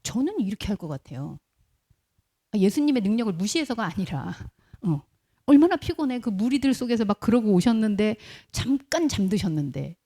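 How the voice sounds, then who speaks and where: A woman's voice: mid-range voice, big pitch swings, a little fast, warm tone, breathy edge. A woman pastor preaching a conversational sermon, telling stories and asking the congregation rhetorical questions. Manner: briefly acts out quoted voices in the middle of speech.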